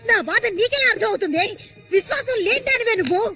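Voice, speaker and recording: A grieving, furious village mother whose very high voice rushes out in shrill cries and curses. Film music and a crowd murmur sit under her lines in the soundtrack. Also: expressive, sharp tone, heavily acted. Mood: bitter. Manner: wailing, scolding, shrill. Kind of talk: Telugu film drama.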